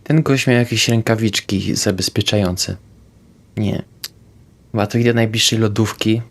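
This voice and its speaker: A man playing a tabletop game, describing his character's actions in the first person, haltingly. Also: lowish voice, fairly even intonation. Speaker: player.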